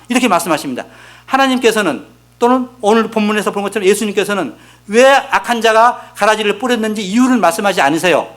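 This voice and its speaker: A man's voice: sits high, fairly bright tone. A middle-aged male pastor preaching a sermon, explaining with rhetorical questions and reading scripture aloud. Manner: reads scripture aloud, voicing the prophets' complaints. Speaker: senior pastor.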